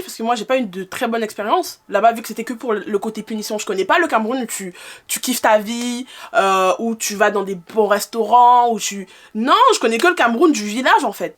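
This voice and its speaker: A woman's voice: fairly high pitch, a bit bright. A young woman in her twenties, raised in France, answering viewer questions in a casual vlog, frank and exasperated, with rhetorical questions. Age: 20s.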